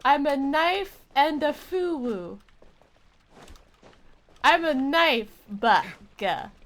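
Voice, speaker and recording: A young woman chats casually on a game stream in a high voice. She is playful and silly, drawing out words at an unhurried pace with lively pitch, over faint music. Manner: playful, giggly, silly exaggeration. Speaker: game livestreamer. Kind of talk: casual chat with stream viewers.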